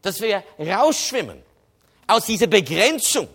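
Male preacher with a high voice, conversational and informal. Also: very animated, a little slow, a bit bright, slightly rough. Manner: conversational preaching, tags with "oder?". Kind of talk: sermon.

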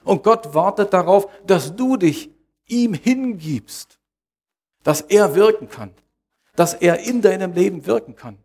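Man, pastor, sermon, repeats key phrases, rhetorical questions, gravelly, husky. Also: sits high, lively intonation, a little mellow. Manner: measured preaching with rhetorical questions and repetition.

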